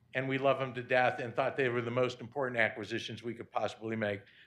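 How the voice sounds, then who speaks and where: A man's voice with audible room echo. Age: 70s. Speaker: public commenter at city council. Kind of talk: public comment at council meeting.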